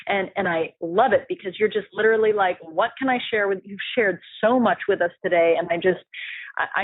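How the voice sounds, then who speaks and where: A woman's voice: fairly low pitch, no room sound. Effusive woman host on a phone-like line. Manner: effusive, encouraging. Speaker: interview host. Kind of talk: conversational online interview. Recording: phone-like, narrow-band dry call audio.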